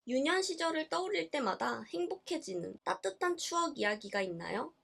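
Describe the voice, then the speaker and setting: A woman's voice: high voice, sing-song, a little fast, gravelly, fairly bright tone. A young woman vlogging, reading a book aloud in casual chat and reacting expressively with gasps and laughs. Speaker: YouTuber.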